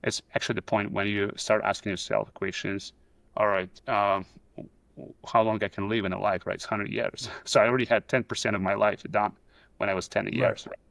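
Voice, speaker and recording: Low, gravelly voice with a dry, close sound. A middle-aged man with a Russian accent speaks hesitantly over a video call, full of "uh" fillers and restarts. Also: little pitch movement, brisk, a bit bright, no echo. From Soviet Union. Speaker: guest. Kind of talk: casual video-call interview. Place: pool house.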